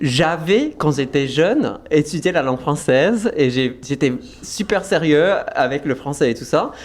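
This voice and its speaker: A man's fairly high voice with ordinary pitch variation, at a fairly slow pace. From US Northeast, Vermont. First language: English (speaking French). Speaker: podcast host. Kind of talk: interview. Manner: halting.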